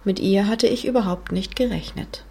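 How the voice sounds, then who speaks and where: A woman's voice: mid-range voice, moderate pace, gravelly, mellow, slightly rough. A woman reading the part of a cool, scheming young female novice in an audiobook, composed and controlled.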